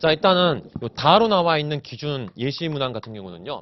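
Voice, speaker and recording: A man speaks in a fairly high pitch with a Gyeongsang accent. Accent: Gyeongsang accent, strong tense consonants. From Gyeongsang Province, South Korea. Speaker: exam prep lecturer. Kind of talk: lecture.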